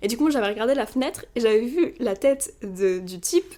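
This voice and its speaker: Against a silent background in a very clean recording, a woman talks at a fairly quick pace with a dark, mellow tone, a fairly high pitch, and lively intonation. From Brittany, France. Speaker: podcast guest. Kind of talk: casual interview chat. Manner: halting, many fillers.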